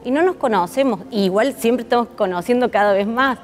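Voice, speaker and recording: A woman's voice: a little high, brisk. A woman with a Córdoba Argentine accent answering interview questions conversationally, thoughtfully searching for words and rephrasing as she goes. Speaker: interviewed puppet theatre artist.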